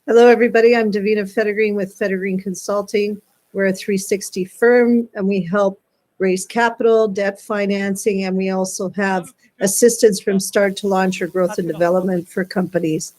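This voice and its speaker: A woman consultant introducing her firm with a brisk list of services. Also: medium pitch, steady tone, a little mellow, rough recording.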